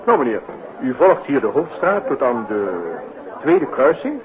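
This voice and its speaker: A man's voice: medium pitch, sing-song, measured pace, a crowd in the background. An actor playing a helpful, deferential and polite serviceman in a 1950s radio drama. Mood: obliging. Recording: narrow 1950s radio recording.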